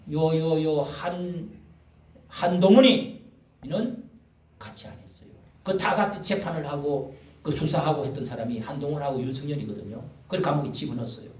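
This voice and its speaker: An older man preaching a sermon as pastor, talking in a folksy, animated way and acting out the quotes he reads. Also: fairly high pitch, a little fast, a little hiss or hum. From South Korea. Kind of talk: expository sermon. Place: church hall. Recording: echoey room, mic at a distance.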